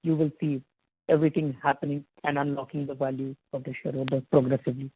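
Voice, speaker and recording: A man's voice: medium pitch, monotone, fast, slight background noise. A man with an Indian accent, a company executive giving formal, explanatory and emphatic answers on a business conference call. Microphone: phone conference call. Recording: tinny phone line, echoey room.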